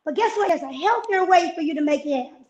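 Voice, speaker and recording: High-voiced energetic woman in her fifties. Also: a little fast, echoey room. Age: 50s. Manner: energetic, coaching, emphatic repetitions. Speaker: fitness and nutrition guest. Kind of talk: casual video-call chat giving healthy eating tips. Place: home kitchen, indoors. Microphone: wireless earbuds on a video call.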